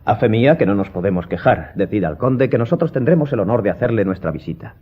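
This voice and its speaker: An actor playing a polite, inquisitive young gentleman with a husky voice in an audio drama. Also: fairly low pitch, lively intonation, quick pace, phone-quality sound, slight background noise, lightly acted. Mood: courteous. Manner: polite, formal. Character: courteous, inquisitive young gentleman traveller of noble manners. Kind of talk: Spanish audio drama acting.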